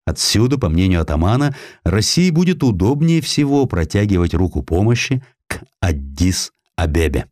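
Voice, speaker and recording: Low-voiced man narrating with sweeping intonation. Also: moderate pace, no echo, studio quality. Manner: expressive storytelling. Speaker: audiobook narrator. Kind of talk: scripted dramatic narration of historical prose.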